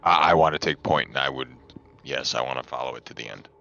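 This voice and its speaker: A man playing a tabletop game, talking casually and deliberately with some hesitation, over a dull mic. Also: rumbling low, vocal fry, pushed and bright.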